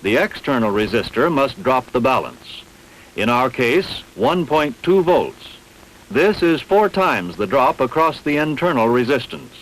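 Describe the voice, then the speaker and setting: A man reading scripted instructional narration in a measured, didactic, carefully enunciated way. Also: medium pitch, very animated, slight background noise, poor audio. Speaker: training film narrator.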